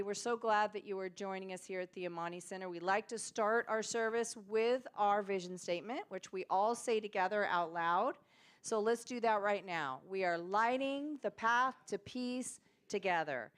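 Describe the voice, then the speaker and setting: A woman's voice: mid-range voice, moderate pace, a bit bright, clear, resonant tone. Woman with a scratchy voice leading a service. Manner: chatty and upbeat, with small laughs. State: slightly scratchy voice after an illness. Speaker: host of a spiritual center service. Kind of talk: leading a church service, welcoming and announcing.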